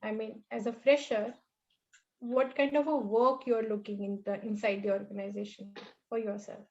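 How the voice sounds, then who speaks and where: A woman's voice: mid-range voice, fairly even intonation, normal speed, darkish tone, muffled recording. A woman with an Indian English accent, a native Marathi speaker, running a job interview over a video call in a firm, coaching manner. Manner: firm, coaching, lecturing tone with repeated checks.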